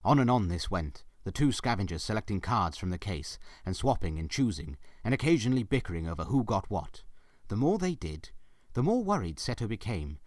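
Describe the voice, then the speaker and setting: A man narrating a scripted story in a dramatic, expressive storytelling style. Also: lowish voice, no room sound, clean studio sound. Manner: expressive, theatrical.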